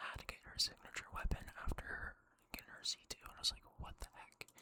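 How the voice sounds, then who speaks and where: Whispering in a relaxed tone, a man speaks at a moderate pace. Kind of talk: whispered ASMR gaming account showcase, casual talk to camera. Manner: whispered, relaxed.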